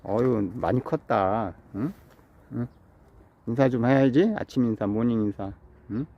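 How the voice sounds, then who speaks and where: Early one morning on a rooftop, a pension owner chats with his pet chicken, coaxing and teasing it the way you might talk to a child. His voice is medium-pitched and unhurried, and the recording sounds muffled.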